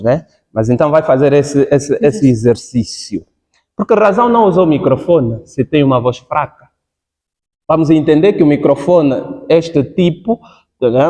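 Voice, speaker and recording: A man's voice: mid-range voice, dark tone, in a large hall. A man coaching a student on public speaking, repeating key points for emphasis and checking in with the listener as he goes. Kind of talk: spoken critique in a class.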